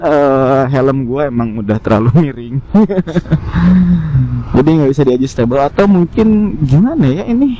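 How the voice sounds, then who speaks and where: A man giving a casual, slangy, unscripted gear review, thinking aloud as he rides, talking into a helmet intercom mic. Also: medium pitch. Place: outdoors on a motorcycle, inside a helmet. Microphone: helmet intercom microphone. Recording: muffled helmet intercom mic, loud vehicle noise. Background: road and engine noise.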